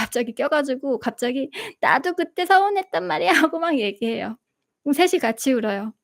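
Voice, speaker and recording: A middle-aged woman hosting a live question-and-answer talk on meditation, speaking gently and laughing often as she tells stories. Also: on the high side. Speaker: meditation channel host.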